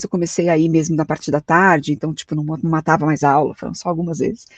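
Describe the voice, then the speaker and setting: Speaking at a very fast pace, a woman with a fairly low pitch is heard in a dry, close sound with no echo. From Brazil, Taubaté (São Paulo state). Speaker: radio announcer and actress. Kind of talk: interview. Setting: video call.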